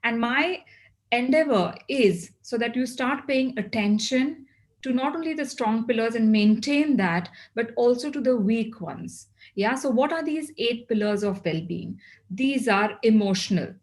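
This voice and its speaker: A woman's voice: a little high, expressive, unhurried. A woman with a South Asian accent gives a motivational well-being talk to a group, instructing and often posing questions that she answers herself.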